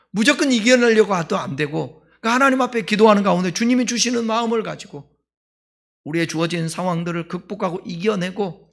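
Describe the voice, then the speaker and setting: High-voiced man preaching a sermon. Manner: conversational preaching, asks the congregation questions; swings between loud emphasis and quiet asides. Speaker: pastor.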